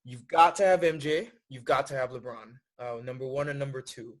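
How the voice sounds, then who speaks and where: A relaxed young man from Thailand chats as a podcast guest, speaking at an ordinary pitch. He answers in an easygoing, thoughtful way. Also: a little fast. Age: 20s. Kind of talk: casual interview chat.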